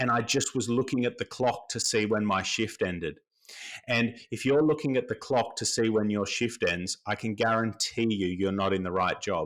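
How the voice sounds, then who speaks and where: Recorded very cleanly against a silent background, a man with medium pitch speaks in an Australian accent. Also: ordinary pitch variation, moderate pace. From Australia (outback). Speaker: entrepreneur and investor. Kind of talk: podcast interview.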